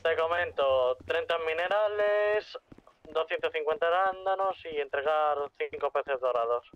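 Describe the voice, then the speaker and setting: A man's voice: fairly high pitch, a little slow, clean tone, lo-fi sound. A man reporting to teammates over a radio in a game roleplay. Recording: band-limited radio line with tones.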